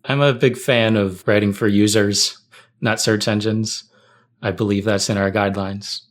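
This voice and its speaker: A man with a fairly low voice speaks in a casual, conversational way. He sounds like a podcast guest sharing anecdotes and practical thoughts. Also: fairly even intonation, normal speed. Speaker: tech writer, podcast guest.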